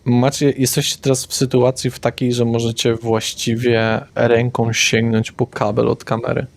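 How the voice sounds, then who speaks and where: A man's voice: medium pitch, little pitch movement, normal speed, vocal fry. A man runs a tabletop roleplaying game in a mid-range voice. He describes scenes and rules casually, as a game master does among players.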